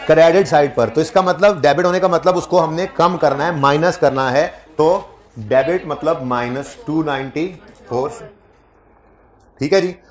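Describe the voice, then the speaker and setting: A man's voice: on the high side, moderate pace. A man giving a classroom accounting lecture, conversational, teasing his students and repeating key points.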